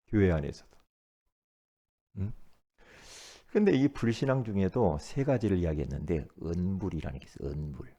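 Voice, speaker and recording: A man preaching as pastor, moving between loud emphatic bursts and low asides, and at times leading the congregation in repeating his words. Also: gravelly. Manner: calls the congregation to repeat after him. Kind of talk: sermon.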